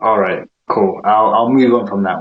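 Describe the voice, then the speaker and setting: A man speaks with a Somali accent. His voice sits at a medium pitch. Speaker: online video host comparing languages. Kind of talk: casual chat. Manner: animated.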